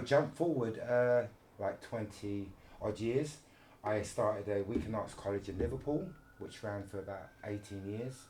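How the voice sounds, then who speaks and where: A middle-aged man from London hosts a relaxed podcast in a very low, deep voice. He talks in an animated, fidgety way, often restarting and repeating words as his thoughts run ahead. A faint ambient hum sits under the recording. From London, England. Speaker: podcast host. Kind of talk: casual conversational podcast.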